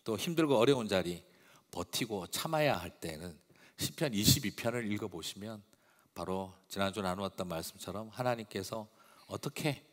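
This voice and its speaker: A male pastor preaching a sermon in a church, emphatic and expressive, swinging between loud and hushed. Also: lowish voice, moderate pace. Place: church sanctuary. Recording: long reverb of a large hall.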